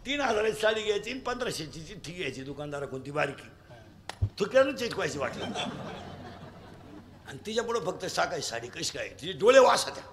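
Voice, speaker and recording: High-voiced man preaching a comic sermon. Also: brisk. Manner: joking, lively storytelling with acted quotes. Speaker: kirtan preacher.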